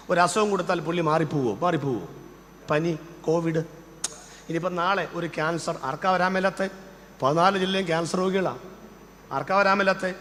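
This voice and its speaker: A man's voice: a little high, a bit bright, in a large hall, a little hiss or hum. An older man preaching a sermon, firing off rhetorical questions at his congregation with fervent intensity. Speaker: pastor.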